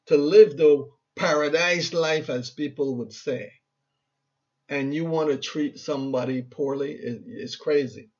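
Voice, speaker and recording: Earnest Barbadian man in his fifties. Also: mid-range voice. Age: 50s. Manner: earnest, exhorting, repeats himself for emphasis. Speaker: motivational speaker and radio host. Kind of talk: motivational talk. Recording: muffled lo-fi recording.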